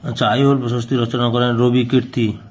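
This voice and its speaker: A man's voice: mid-range voice, little pitch movement, fairly quick, a little mellow. A man teaching by reading out questions and answers, repeating phrases as if dictating. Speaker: history teacher solving an exam paper.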